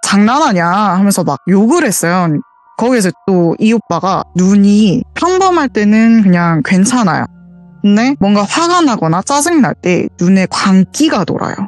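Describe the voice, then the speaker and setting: A woman's voice: mid-range voice, sing-song, normal speed, a little mellow, dry recording, soft background music. A woman calling in over a voice call to earnestly tell a true ghost story in casual, detailed speech. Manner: earnest, detailed retelling with quoted dialogue.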